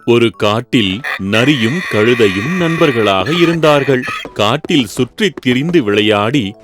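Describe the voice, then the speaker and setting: A man's voice: medium pitch, lively intonation, unhurried. A man narrating a scripted children's animal story as its storyteller. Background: music.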